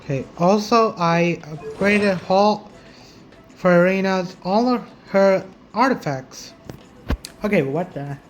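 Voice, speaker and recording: Gaming YouTuber, slow halting delivery, casual commentary, muttering, faint music behind. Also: mid-range voice.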